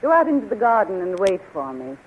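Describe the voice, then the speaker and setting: A woman's voice: medium pitch, very animated, quick pace, a little hiss or hum, lightly acted. Actress as a seductive, imperious queen, swooping voice. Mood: seductive, coy. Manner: coy, commanding. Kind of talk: 1930s radio serial acting. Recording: muffled, lo-fi 1930s radio recording.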